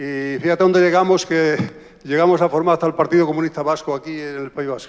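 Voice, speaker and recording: A man at a very fast pace. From Extremadura, Spain. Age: 70s. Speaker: audience member at political event. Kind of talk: public question at town-hall meeting. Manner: halting.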